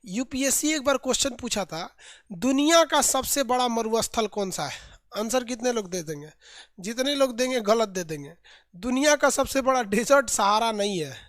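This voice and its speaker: A man teaching an online geography class, lively and colloquial, drilling names by repetition. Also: very high-pitched, normal speed, no room sound, clean studio sound.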